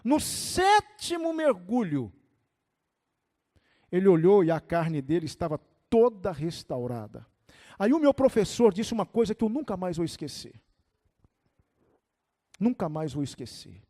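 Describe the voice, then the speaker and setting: A male pastor preaching a sermon with animated storytelling, calling on his listeners by name. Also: high voice, normal speed. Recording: echoey hall reverb.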